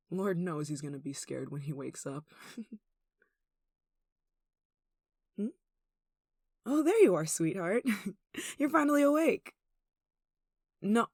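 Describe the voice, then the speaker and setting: Casting: woman to play possessive yandere kidnapper for ASMR roleplay, lowish creaky voice, sweetly menacing and coaxing. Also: no room sound, studio quality, heavily acted. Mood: apologetic, plotting, then gleeful, possessive. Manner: cooing, coaxing, with sighs and giggles. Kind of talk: intimate ASMR roleplay acting.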